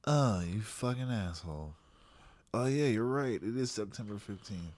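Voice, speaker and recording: A man co-hosting a sports podcast, talking loose and profane with lots of slang and laughter, his voice raspy. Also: fairly low pitch, lively intonation, normal speed, darkish tone. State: high, raspy voice. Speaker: podcast co-host. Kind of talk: casual sports chat.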